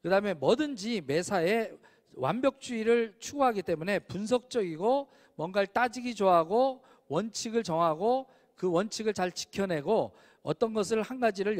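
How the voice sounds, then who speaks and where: A man giving a lecture on personality types, animated and asking the audience questions, recorded with a long hall reverb. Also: sits high.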